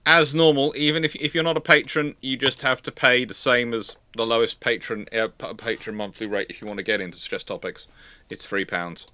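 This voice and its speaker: A man's voice: mid-range voice, steady tone, brisk, bright, forceful tone. A man hosting a casual live question-and-answer stream, stammering and often repeating words as he restarts his phrases. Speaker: livestream host answering viewer questions.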